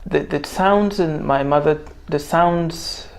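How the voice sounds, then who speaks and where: A man from Nigeria with a Nigerian accent, a non-native English speaker, talking in a halting, measured and formal way in a discussion. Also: on the high side. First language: not English. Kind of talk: casual discussion.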